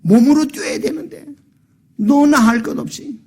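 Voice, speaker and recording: A man's voice: very high-pitched, moderate pace, a little mellow. A man pastor preaching a sermon in a church, telling a story and acting out the quotes, then rising to emphatic appeals. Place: church sanctuary.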